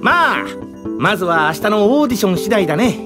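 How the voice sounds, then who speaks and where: An actor playing an easygoing, quietly confident male stage director with a breezy, playful manner in a voice drama. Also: sits high, big pitch swings, brisk, over music. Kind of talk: anime-style voice drama acting.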